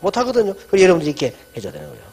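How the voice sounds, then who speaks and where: A middle-aged man preaches a sermon, telling stories in a lively way. His voice sits high and leaps all over the place. A long reverb from the church hall trails each phrase. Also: racing. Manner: animated storytelling, drops soft and low when quoting. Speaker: pastor.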